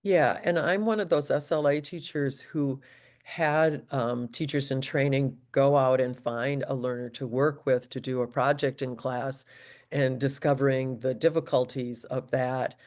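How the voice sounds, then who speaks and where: Middle aged lady teacher chatting on an online panel, low voice. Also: steady tone, measured pace, darkish tone. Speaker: second language acquisition teacher. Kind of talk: conversational panel remarks. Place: indoor room, video call.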